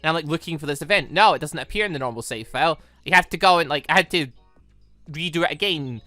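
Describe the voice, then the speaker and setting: Man, bright forceful voice, casual gaming commentary, rambling and informal, dry close sound, music underneath. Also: fairly high pitch, fast talker, dry recording. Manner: rambling, self-correcting, informal. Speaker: gaming video host. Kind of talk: casual let's-play commentary.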